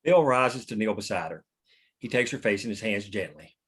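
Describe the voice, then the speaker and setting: A man's voice: fairly low pitch, animated, moderate pace, husky. A man reading stage directions as scripted narration at a table read.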